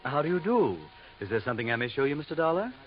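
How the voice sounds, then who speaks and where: An actor playing an obsequious, fussy little jeweler's clerk in a 1950s radio drama, fawning, formal and hesitant. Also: male voice, a little high, very animated, quick pace, soft background music. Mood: fawning, polite. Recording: muffled vintage radio recording.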